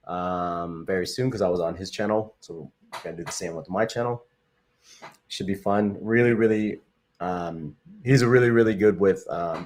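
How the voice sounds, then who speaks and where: A young man from Canada hosts a casual livestream, his voice sitting low and deep. He talks in an upbeat, rambling way, circling back on his phrases and padding them with fillers as he reads out viewer comments. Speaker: crypto livestream host.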